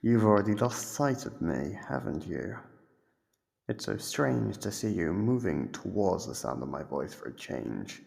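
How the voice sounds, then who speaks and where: Man voicing a gravelly, taunting monster captor. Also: on the low side, very animated, darkish tone, full character voice. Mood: taunting, amused. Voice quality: gravelly, husky voice. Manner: slow, drawn-out, teasing delivery. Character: sadistic male monster captor, playfully taunting and menacing. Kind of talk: ASMR horror roleplay monologue.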